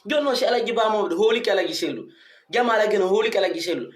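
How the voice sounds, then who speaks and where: Male online commentator, higher-pitched voice, emphatic and questioning, roomy echo. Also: rapid-fire. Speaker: online commentator addressing followers. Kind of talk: informal commentary monologue to followers. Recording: echoey untreated room.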